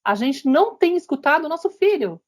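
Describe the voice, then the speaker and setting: A woman's voice: sits high, very animated, a little fast, darkish tone, pitched above the performer's own voice. A woman quoting a stern middle-aged father who finally silences his wife, firm and commanding.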